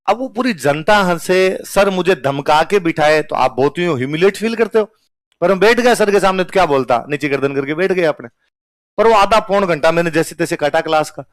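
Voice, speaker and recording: Rajasthani guy teaching, telling stories about himself, fairly high voice, dry close sound. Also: lively intonation, brisk, no room sound. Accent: Rajasthani Hindi. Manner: conversational, anecdotal, self-mocking. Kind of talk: storytelling lecture to students.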